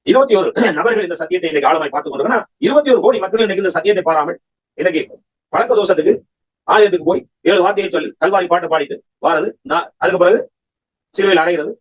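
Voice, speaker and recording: In a low-quality recording, a man with a high, husky voice preaches a Bible study sermon. He fires rhetorical questions at his listeners and drives his points home with emphatic exhortation.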